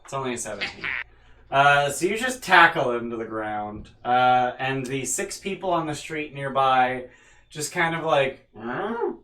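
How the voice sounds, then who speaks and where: A man's voice: medium pitch, unhurried, bright, forceful tone. A man running a tabletop game as game master, narrating casually. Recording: roomy, distant mic with faint noise.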